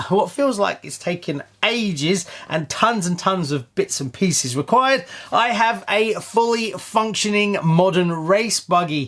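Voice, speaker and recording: A British accent over noticeable background noise. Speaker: RC hobby youtuber. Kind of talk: casual vlog.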